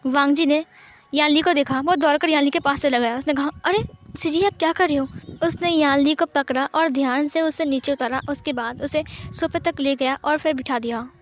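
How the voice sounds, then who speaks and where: High-voiced woman narrating fan fiction. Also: steady tone, moderate pace. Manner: plain retelling. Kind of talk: storytelling narration.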